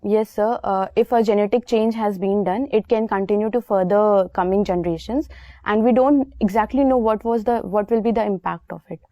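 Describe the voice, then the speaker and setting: A young woman with an Indian English accent answers an interview panel, hesitant and polite, often pausing on fillers. Her voice is mellow and soft-toned, recorded close and dry. She calls each examiner sir. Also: mid-range voice, no room sound. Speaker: interview candidate. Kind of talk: formal mock interview answers.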